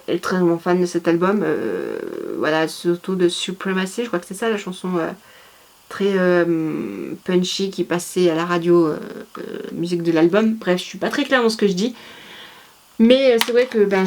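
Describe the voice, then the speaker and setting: A woman talks casually as a vlogger, rambling along with lots of fillers and restarts. Her voice sits at a middle pitch. Faint background noise and small clicks run under the recording. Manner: chatty, rambling, many fillers and self-corrections. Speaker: vlogger presenting her CD collection. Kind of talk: casual chat.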